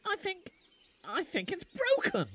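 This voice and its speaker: A man's voice: very high-pitched, wildly swooping pitch, unhurried, fairly bright tone, full character voice. A man playing a pompous, vindictive and cowardly witchfinder in an audio drama, with theatrical formal speech. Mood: outraged, whining.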